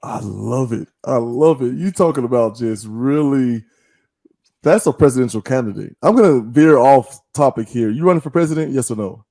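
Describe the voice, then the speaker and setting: A man hosting a casual interview, asking teasing, animated questions. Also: medium pitch, normal speed, vocal fry, dry recording. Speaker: podcast host.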